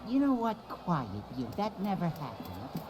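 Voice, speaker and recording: A man's voice: high-pitched, huge pitch swings, a little slow, very noisy, full character voice. A man voicing a cocky young hawk racer and gang boss, smug and swaggering, in an audio drama. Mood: proud, dismissive. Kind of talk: animated audio drama acting. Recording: loud music under the voice.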